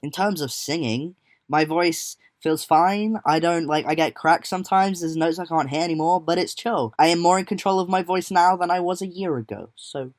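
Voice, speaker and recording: A man's voice: fairly high pitch, normal speed. A young trans man giving a chatty, rambling update vlog to his viewers, joking at his own expense. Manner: chatty, rambling, self-deprecating. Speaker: vlogger.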